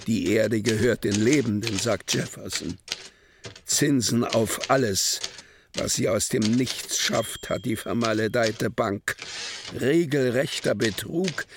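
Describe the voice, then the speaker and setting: A man playing a brooding poetic narrator in a literary radio drama, declaiming in deliberate short phrases. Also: mid-range voice, creaky, noisy background. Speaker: actor reciting poetry.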